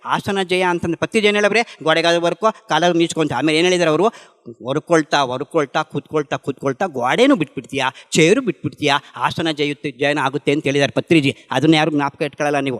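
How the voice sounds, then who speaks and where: A man's voice: on the high side, a bit bright, long reverb tail. A middle-aged man giving an emphatic spiritual talk to a gathering, asking questions and answering them himself. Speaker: meditation practitioner sharing testimony.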